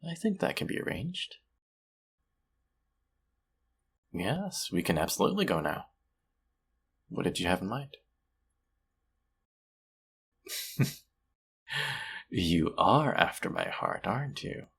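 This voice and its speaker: A man playing a sweet, smitten stranger in an intimate romantic audio roleplay, speaking softly and hesitantly in a husky, gravelly voice. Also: on the low side, sing-song, heavily acted. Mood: playful, happy. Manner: soft, hesitant, tender, with pauses.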